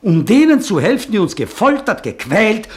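A man's voice: high voice, very animated, normal speed. A man acting in a German radio play as a bitter, unforgiving exile, impassioned and declamatory in his accusations. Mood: accusing.

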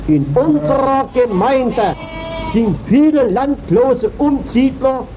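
Male village official, very high voice, stiffly reading, dull old archive sound with sheep. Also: lively intonation, takes it slowly. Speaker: village mayor being interviewed. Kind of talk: stiff prepared statement. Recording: muffled, noisy 1940s archive field recording. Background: bleating sheep.

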